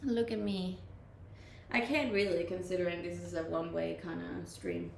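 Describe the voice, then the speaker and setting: Her lowish, gravelly voice is animated but unhurried, at a normal speed. The young Danish streamer chats easily while reading live comments, laughing often, with a slight accent blended from the many countries she has lived in. She sits in an echoey room with faint noise behind her.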